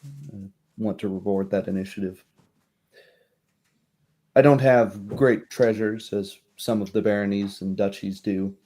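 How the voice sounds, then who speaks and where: A man voicing a courteous, shrewd baroness in a tabletop roleplaying game, with measured, genteel phrasing. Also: on the low side, steady tone, warm tone. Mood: gracious, businesslike. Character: courteous, shrewd baroness, a noblewoman musing over her troubled land.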